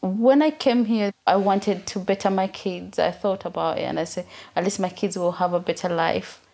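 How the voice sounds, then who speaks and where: A woman's voice: medium pitch, steady tone, normal speed, gravelly, dark tone. Earnest Ugandan-born mother. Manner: earnest, repeats "you know, like". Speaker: parent. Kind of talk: documentary interview.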